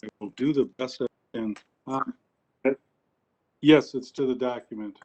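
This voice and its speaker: A man's voice: mid-range voice, measured pace, darkish tone. A county supervisor calling into a board meeting. His audio breaks up and cuts in and out, and he speaks hesitantly and apologetically, with many fillers. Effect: choppy call audio breaking up and cutting in and out. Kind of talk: remote board meeting remarks. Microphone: remote video call. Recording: dull lo-fi internet call line.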